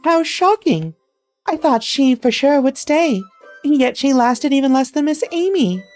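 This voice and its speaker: A woman voicing an excitable young maid who chatters eagerly about household gossip. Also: high-pitched, unhurried, soft background music, voice pushed up. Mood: gossipy.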